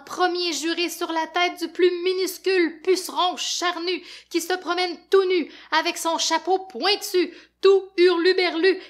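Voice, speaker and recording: Lady doing a tiny excitable storybook critter, squeaky and high, panics and rambles in rhymes. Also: heavily acted. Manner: bouncy, panicky rhyming babble.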